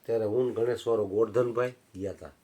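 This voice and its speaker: A man's voice: on the low side, fairly even intonation, quick pace, warm tone. A man telling folksy anecdotes in a satsang sermon. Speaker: preacher.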